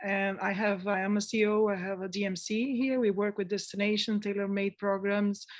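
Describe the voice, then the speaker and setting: Speaking in a Portuguese accent, a woman keeps a fairly quick pace with hardly any pauses. Her medium-pitched voice is monotone and flat. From Brazil. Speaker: travel company CEO. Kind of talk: panel discussion.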